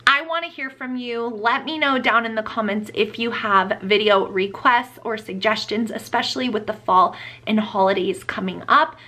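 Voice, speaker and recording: A woman's voice: fairly high pitch, normal speed, pushed and bright. A young adult woman chatting casually through her makeup and hair routine, her voice nasal from a cold. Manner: chatty, explaining steps with fillers. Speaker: beauty vlogger. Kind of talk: casual get-ready-with-me chat.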